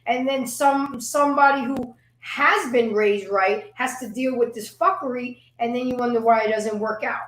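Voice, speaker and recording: A fairly high-voiced woman talking with passion in a casual panel chat, cursing freely and tripping over repeated words as she builds a point. Her voice carries the echo of a bare, roomy space. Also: steady tone, normal speed, few pauses, a bit bright. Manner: emphatic, profane, repeats words when worked up.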